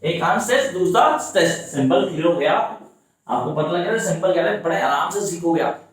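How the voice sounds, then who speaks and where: A man teaching English poetry terms in an exam-prep lecture, reading lines slowly and repeating words to drill them. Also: a little high, lively intonation. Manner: slow, drawn-out word-by-word reading and repeating. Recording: echoey room, from a distance.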